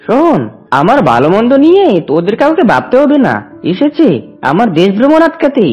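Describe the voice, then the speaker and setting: A woman voicing a stubborn, self-pitying cartoon fox with a husky, whiny, dramatic delivery. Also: a little high, very animated, fairly quick, darkish tone. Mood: indignant. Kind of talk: cartoon voice acting. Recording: dull lo-fi audio, music behind.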